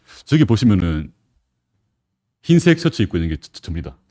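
A man talks at a moderate pace with vocal fry and very wide pitch swings. The background is quiet. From South Korea. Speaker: YouTuber and activist; talk show guest. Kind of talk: interview. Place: studio. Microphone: studio mic.

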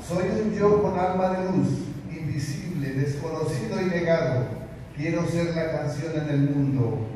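Strong room echo and light background noise surround a man whose high-pitched voice moves at a fairly slow pace with fairly even intonation. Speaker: poet reading translations. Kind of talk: poetry reading in Spanish, a calm, warm, reverent delivery, like a translation read aloud. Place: hall.

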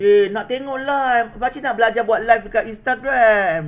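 A man speaks at an extremely high pitch. His pitch varies in an ordinary way. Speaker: live streamer. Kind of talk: casual chat. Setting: video call. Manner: animated. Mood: joking, playful. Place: home room.

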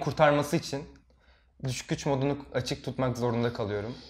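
Over a quiet background, a man speaks in a medium pitch. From Izmir, Turkey. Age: young. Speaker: university student, viewer; viewer giving a phone review. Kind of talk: casual interview. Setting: studio. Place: home room. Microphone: lapel.

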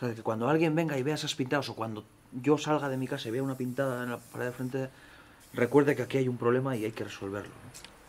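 A man races along at a very fast pace, his medium-pitched voice carrying fairly even intonation. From Basque Country. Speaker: local resident interviewed on street. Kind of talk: street interview. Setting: outdoors. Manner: halting.

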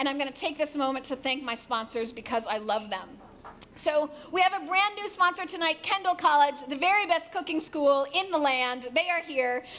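Animated and fairly quick, a woman's voice makes very wide pitch swings. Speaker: live talk show host. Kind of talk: live talk show hosting. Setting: stage with audience. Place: stage. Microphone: headset.

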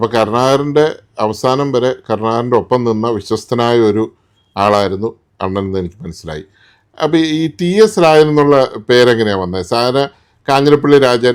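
This man has an unremarkable speaking voice at a medium pitch with ordinary pitch variation. The recording is very clean, with a silent background. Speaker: YouTube channel host. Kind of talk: interview.

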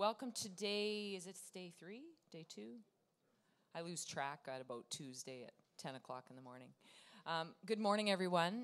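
At a moderate pace, a woman with a fairly low pitch talks with long, frequent pauses and big swings in loudness. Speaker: session host. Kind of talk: opening remarks to an audience. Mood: friendly, light joking. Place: hall. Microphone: podium.

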